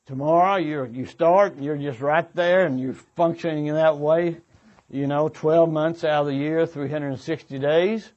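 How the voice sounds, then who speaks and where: A man with a somewhat high voice gives an informal sermon in an earnest, exhorting way. He moves haltingly through his points, repeating and rephrasing as he goes. The recording is dull and a little muffled. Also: fairly even intonation. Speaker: preacher addressing young adults at a church gathering.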